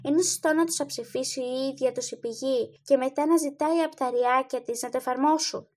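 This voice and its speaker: A woman's voice: high voice, a little mellow. A woman reading the part of a loyal grown man who earnestly advises a boy king in an audiobook. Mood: persuasive.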